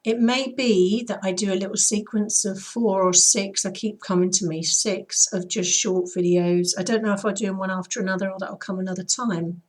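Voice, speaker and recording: A woman with a husky, throaty voice, hoarse after being ill, who talks softly and without hurry. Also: mid-range voice, steady tone. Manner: soft, unhurried, intoning. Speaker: spiritual healer. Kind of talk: slow chanted healing invocation; casual chat to viewers.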